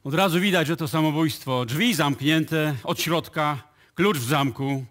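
Bright, forceful policeman. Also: a little high, a little slow. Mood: offhand. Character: blunt, casual male policeman reporting to his inspector. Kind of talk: radio play acting. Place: music studio, played live before an audience.

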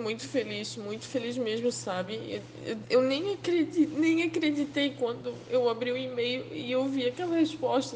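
A woman's voice: fairly high pitch, darkish tone, slight background noise. A woman from Santa Catarina with a southern Brazilian accent, leaving a rambling, tearful but happy voice message. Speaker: client sending a voice message. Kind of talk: WhatsApp voice message.

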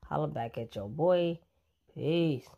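A fitness vlogger casually pitching a coffee to his viewers, relaxed and chatty, with plenty of ums. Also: slow pace, vocal fry, muffled recording.

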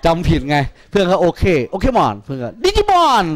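A man's voice: high voice, wildly swooping pitch, fairly quick. Joking man tutoring in a classroom. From Thailand. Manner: joking, crude, teasing students. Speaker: math tutor. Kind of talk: classroom lecture.

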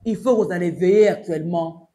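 A man's voice: high-pitched, fairly quick, warm tone. A young man with a Congolese accent giving emphatic, urgent news commentary from a small indoor room, mixing French and Lingala. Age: young adult. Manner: emphatic, urgent, gesturing while addressing the camera.

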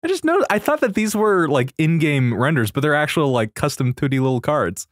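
A man's voice: fairly high pitch, lively intonation, brisk, no echo, clean studio sound. A young man giving casual, crude reaction commentary in a gushing, playful, slangy way, swearing freely. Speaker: video game reaction and ranking host. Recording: music behind the voice. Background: game trailer music.

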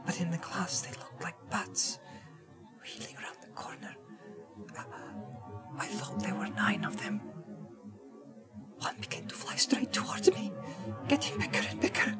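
A man voicing a frightened, haunted young hobbit in a storybook, breathy and hesitant, stammering as he speaks. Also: fairly even intonation, normal speed, hardly any pauses, loud music behind the voice. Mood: haunted, fearful. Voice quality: breathy, shrill at peaks.

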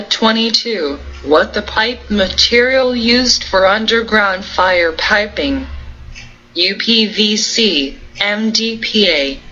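In a flat, even manner, a woman with a mid-range voice reads through a numbered list of technical interview questions and answers. The recording is muffled.

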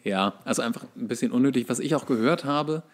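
A man speaks quickly in a medium-pitched voice. He sounds like a podcast co-host in an informal back-and-forth chat. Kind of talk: casual chat about films.

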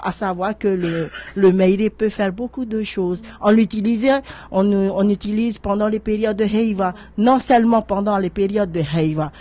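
A middle-aged woman, president of a horticulture association, is a guest in a radio studio interview, speaking into a stand-mounted studio microphone. She's hesitant, often restarting and repeating words as she searches for them. Her voice is mid-range with a darkish tone.

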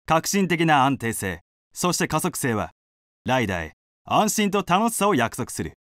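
A male voice actor playing a cool, confident motorbike advert narrator with a measured, dramatic delivery. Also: fairly high pitch, big pitch swings, fairly bright tone, no echo, studio quality. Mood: cool, assured. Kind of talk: scripted commercial narration.

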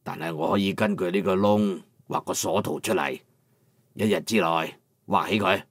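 An actor playing a proud, emotional old master locksmith in an emphatic Cantonese audiobook drama. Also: male voice, deep voice, moderate pace, gravelly, dry recording, clean studio sound. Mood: confident. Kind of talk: dramatized audiobook character acting.

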